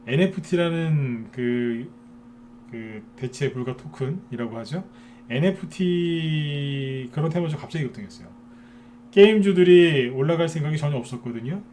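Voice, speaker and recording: A man's voice: on the high side, lively intonation, moderate pace, darkish tone, slight background noise. A man giving a live stock market lecture to viewers, talking in a chatty way and often checking in with them through short tag questions.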